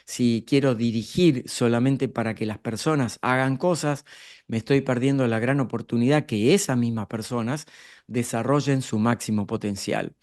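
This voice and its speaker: A man's voice: medium pitch, normal speed, darkish tone. Argentine man giving a live leadership talk. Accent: Argentine Spanish. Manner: explanatory, addresses the audience directly with rhetorical questions. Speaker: speaker on leadership and emotional intelligence.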